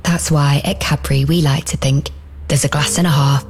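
A woman narrating a short story for an advert, gentle and measured. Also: deep voice, fairly even intonation, soft background music. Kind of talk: scripted ad storytelling.

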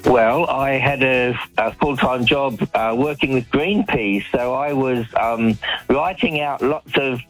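A man's voice: mid-range voice, takes it slowly, a bit bright, soft background music, low-quality recording. A man who grew up in Australia calls a radio show and tells his life story in a chatty, anecdotal way with frequent ums and restarts. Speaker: caller, professional storyteller.

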